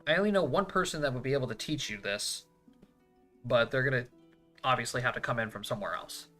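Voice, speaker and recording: A man running a tabletop role-playing session, talking casually and thinking out loud with plenty of ums and restarts. His pitch sits in a middle range, and soft guitar music plays faintly underneath. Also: fast. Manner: casual, thinking aloud with many fillers. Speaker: game master.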